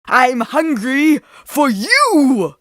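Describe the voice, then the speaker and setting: A woman's voice: high voice, big pitch swings, drawn-out words, no echo, clean studio sound, pitched above the performer's own voice, full character voice. A woman voicing an evil man who poses as a sweet, ailing old grandmother in a storybook reading, with a coaxing elderly lilt. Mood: menacing, hungry.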